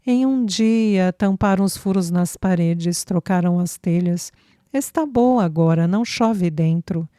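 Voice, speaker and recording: A calm young woman, sensible and conciliatory, as a woman narrator reads her. Her delivery is slow, with a low-ish, mellow voice. It is an audiobook dialogue role. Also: no room sound, clean studio sound, lightly acted. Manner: reasoning, conciliatory.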